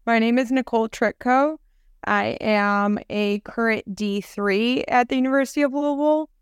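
A woman's voice: fairly high pitch, moderate pace, clean tone, no echo, studio quality. A woman in her twenties from the Chicago area, a dental student chatting about her interview. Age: 20s. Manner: chatty, many fillers and restarts. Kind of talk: casual interview answers.

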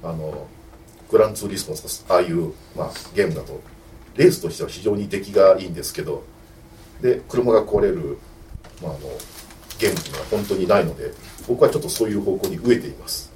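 Rapid, lively man on a panel. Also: low-pitched. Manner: very fast, lively, with many fillers. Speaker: creator guest on panel. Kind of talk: convention panel talk. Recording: distant mic, faint background noise.

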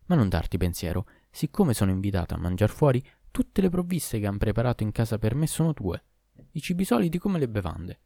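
An impatient young man in a hurry speaks in a hushed, clipped way, as a man reads him. The voice is low and dark. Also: sing-song, fairly quick, no echo, clean studio sound. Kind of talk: storybook reading.

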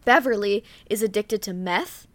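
A woman's voice: medium pitch, moderate pace, a bit bright. A young woman co-hosting a true-crime podcast, telling a case in casual chat full of "like" and "um". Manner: chatty, full of "like" and "um", reads notes aloud. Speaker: podcast co-host.

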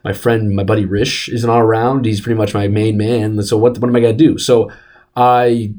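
A man's voice: on the low side, moderate pace. Rambling young man on a sports podcast. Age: young adult. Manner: animated, rambling with many restarts and fillers. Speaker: podcast co-host. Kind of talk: casual chat.

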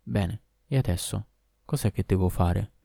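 A man's voice: low voice, little pitch movement, moderate pace, mellow, no echo, studio quality, natural voice. A man reading aloud who voices a terrified hunchbacked man, speaking in a fearful, pleading way. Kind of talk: audiobook reading.

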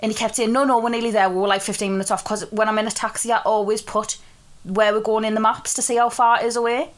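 English woman, a bit high-pitched, teasing, casual podcast chat. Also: flat delivery, quick pace. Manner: teasing, swears. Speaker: podcast co-host.

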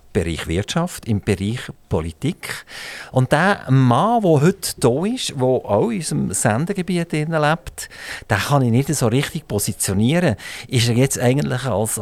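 A man with a Swiss German accent hosts a radio interview from the studio. He chats easily and jokes, keeping up a steady run of follow-up questions at a middle pitch. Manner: chatty, jokey, asks many follow-up questions.

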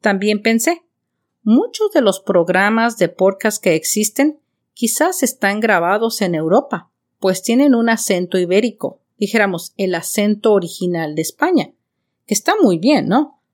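A woman from Mexico City with a Mexican Spanish accent, hosting a podcast for learners and speaking slowly and clearly to the listener. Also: mid-range voice, animated. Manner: slow, clear, friendly delivery addressing the listener directly. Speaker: podcast host and bilingual teacher. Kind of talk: scripted podcast monologue for learners.

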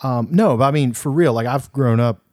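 Man, mellow dark voice, chatty podcast co-host who rambles. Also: medium pitch, normal speed, no echo, clean studio sound. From Louisiana. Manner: rambling, chatty, frequent restarts. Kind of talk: casual movie discussion.

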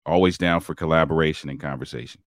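A man joins a podcast as a guest, speaking in a laid-back, easygoing way. His voice is extremely deep, and the sound is dry and close. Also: quick pace, no room sound. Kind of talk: casual chat.

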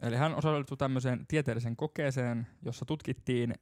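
A man's voice: medium pitch, fairly even intonation, darkish tone, no echo. Young guy hosting a boozy podcast, laughs a lot, dead dry mic sound. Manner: laughs often, tells stories loosely with restarts. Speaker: podcast host. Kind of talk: casual drinking podcast banter.

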